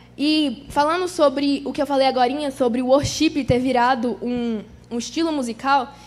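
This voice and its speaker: This woman speaks with a high pitch. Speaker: preacher. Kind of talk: sermon. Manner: fast.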